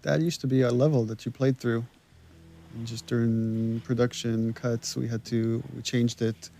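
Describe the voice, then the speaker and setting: A man giving developer commentary on his own game, thinking out loud about the scenes. He often stops and restarts, and his voice sits at an ordinary middle pitch. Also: level tone, moderate pace, creaky, soft background music. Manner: thoughtful, with stammered restarts. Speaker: game writer and director.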